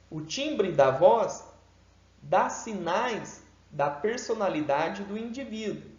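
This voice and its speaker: A man with a Brazilian Portuguese accent teaching a seminary homiletics class in an emphatic, deliberate way, swinging his pitch and loudness for effect. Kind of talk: homiletics lecture. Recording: echoey room, dull lo-fi sound.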